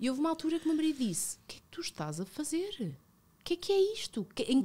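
A woman's voice with very wide pitch swings. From Portugal. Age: 30s. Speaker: entrepreneur and mother; podcast guest. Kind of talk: casual interview conversation. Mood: reflective, personal story. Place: studio. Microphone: studio mic.

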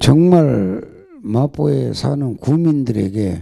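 Against a quiet background, a man with a dark, mellow tone talks at a very slow pace, his pitch swinging very widely. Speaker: district mayor. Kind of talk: interview answer. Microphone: handheld.

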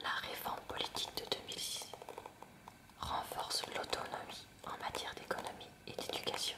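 Soft-spoken and at a fairly slow pace, the voice sits under loud background noise. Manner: soft, close ASMR reading voice.

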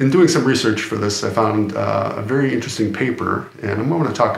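A man's voice with audible room echo. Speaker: grooming brand host. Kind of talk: casual vlog chat. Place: home room.

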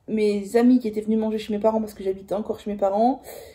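A somewhat breathy, dark and mellow tone against a quiet background. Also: woman. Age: 30s. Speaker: vlogger. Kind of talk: casual chat. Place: home room. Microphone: phone near.

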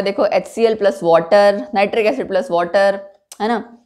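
Against a quiet background, a woman speaks at a fairly slow pace and medium pitch with ordinary pitch variation. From India. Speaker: chemistry teacher. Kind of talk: lecture. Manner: casual, chatty. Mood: warm, friendly. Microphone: lapel.

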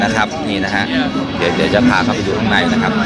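Loud music plays behind a man whose voice sounds dry, with no echo. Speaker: news reporter. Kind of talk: walkaround commentary. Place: hall. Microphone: phone near.

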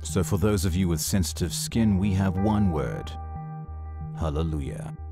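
With clear music in the background, a man speaks in a very deep, low voice with ordinary pitch variation, the sound dry with no echo. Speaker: voice actor. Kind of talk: TV commercial read. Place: studio. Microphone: studio mic.

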